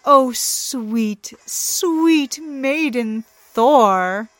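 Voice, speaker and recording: A woman's voice: mid-range voice, animated, fairly bright tone, no room sound. A woman voicing a cunning, mocking male trickster god in a storybook reading, speaking in a sly, teasing way. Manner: sly, teasing, drawn-out mockery.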